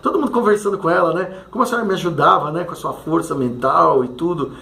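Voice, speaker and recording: A man's voice: a little high, quick pace, creaky, sharp tone. A man casually recounting his own experiences, chatty and full of tag questions. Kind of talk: casual autobiographical monologue.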